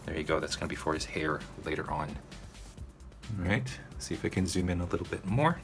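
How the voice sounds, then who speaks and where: A man's voice: a bass voice, fairly quick, music in the background. A man hosting a narrated drawing tutorial, talking casually to viewers and checking in with them often. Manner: casual, addresses viewers directly, frequent "okay?" check-ins.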